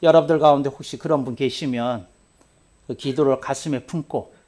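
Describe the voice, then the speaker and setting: A male pastor delivering a sermon, swinging between loud, shouted outbursts and quiet, wry asides. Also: mid-range voice, steady tone, moderate pace.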